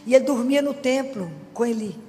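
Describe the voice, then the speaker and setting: A middle-aged woman with a Minas Gerais accent delivers a relaxed, conversational sermon. She keeps asking her listeners whether they agree. Her voice rings through a large hall with a long echo, and soft music plays faintly underneath. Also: a little high, brisk. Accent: Minas Gerais Brazilian Portuguese. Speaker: preacher.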